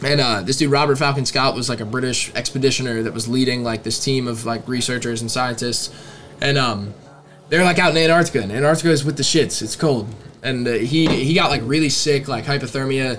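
A man talks with a plain, everyday voice at a medium pitch. His pace is fairly quick. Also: ordinary pitch variation. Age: 20s. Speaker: skateboarder. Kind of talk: casual chat.

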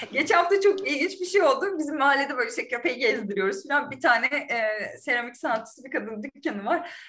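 Over noticeable background noise, a woman talks at a very fast pace. Her high voice makes very wide pitch swings. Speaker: theatre actor. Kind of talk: casual chat.

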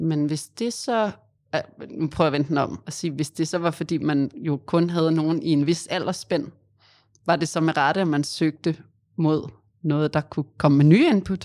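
A woman speaks fairly slowly in a very deep, low voice with a dark, mellow tone and ordinary pitch variation. The recording is very clean, with a silent background. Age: 40s. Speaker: podcast co-host. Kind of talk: casual chat.

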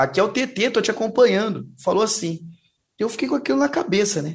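A high male voice, its pitch swinging very widely up and down. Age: 20s. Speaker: streamer and influencer. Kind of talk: casual chat.

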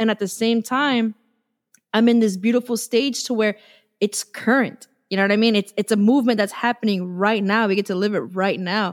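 A woman's fairly high, fairly quick voice with fairly even intonation, a very clean recording with a silent background, and a dry, close sound with no echo. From Florida. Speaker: educator and androgynous model. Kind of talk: casual chat.

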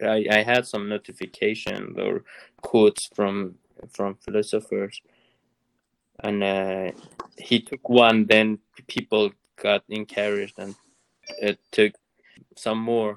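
A man with a Kurdish accent speaks at a fairly slow pace in a fairly low, monotone, flat voice. Long, frequent pauses break up his speech, and the sound is dry and close with no echo. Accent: Kurdish-accented English, Badini. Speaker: artist and art teacher. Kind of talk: casual interview chat. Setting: video call from Washington DC.

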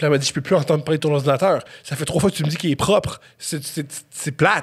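This man talks very fast with a Quebec accent and a fairly high pitch. His voice is somewhat breathy, with ordinary pitch variation. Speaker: comedy writer and podcaster. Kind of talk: casual chat.

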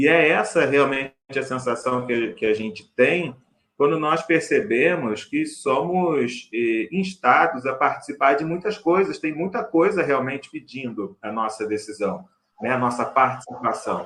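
With an unremarkable speaking voice, a man talks fairly slowly at a fairly high pitch, his intonation lively. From Niterói, Rio de Janeiro, Brazil. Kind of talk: religious discussion.

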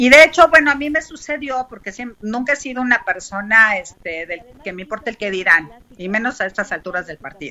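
Over noticeable background noise, a woman with a Mexican accent talks at a fairly quick pace and fairly high pitch, with very wide pitch swings and big swings in loudness. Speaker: actress. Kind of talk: interview. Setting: remote call via WhatsApp.

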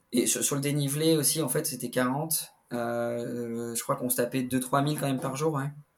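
This man's pitch sits at a medium level. He delivers everything with monotone, flat intonation. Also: moderate pace. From French Alps (Hautes-Alpes). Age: 30s. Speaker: trail runner. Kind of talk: interview. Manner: halting, many fillers.

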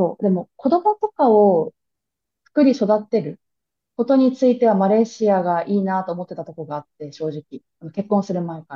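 A woman uses an ordinary speaking voice at a medium pitch and a moderate pace. Her intonation is lively, and her loudness swings widely. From Japan, Tochigi. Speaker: embassy public relations officer. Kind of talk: casual interview chat.

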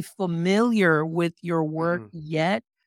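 Recorded very clean, dry and close, with no echo and a silent background, a woman with a normal speaking voice talks at a fairly low pitch with ordinary pitch variation. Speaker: podcast host. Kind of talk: casual interview chat.

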